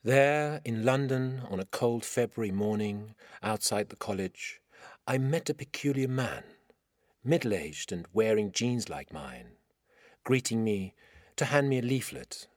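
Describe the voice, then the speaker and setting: A middle-aged man with an Iranian accent reading his own literary story in measured, dramatic phrasing. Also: medium pitch, expressive, no echo, studio quality. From Iran. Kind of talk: scripted literary narration.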